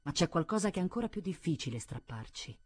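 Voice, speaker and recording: A woman reading the part of a stern, dignified old man who speaks calmly and gravely, with a husky voice. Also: lowish voice, fast talker, no echo. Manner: calm and grave. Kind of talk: audiobook reading.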